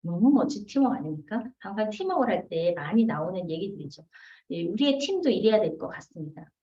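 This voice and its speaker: Brief Woman in her forties, seminar speaker, lively pitch, asks the room questions and answers them, heard from a distance in an echoey hall. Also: fast talker. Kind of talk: seminar lecture. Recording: roomy, distant, dull lo-fi hall recording.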